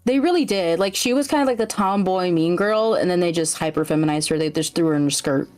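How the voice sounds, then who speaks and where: A woman guest talks in a fairly low voice, casual and agreeable. Her phrasing is informal and softened with hedges, and music plays behind her. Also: expressive, fast talker. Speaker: talk show guest. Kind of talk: casual fan chat.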